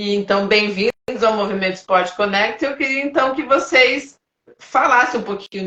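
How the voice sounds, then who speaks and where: A woman with an ordinary speaking voice and lively intonation. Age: 50s. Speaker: live show host. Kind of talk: casual interview on a live stream.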